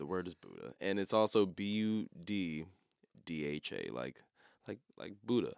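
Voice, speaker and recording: A man's fairly low voice in an American accent, an unremarkable speaking voice at a fairly slow pace with ordinary pitch variation, in a very clean recording with a silent background. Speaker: rapper. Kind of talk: casual chat.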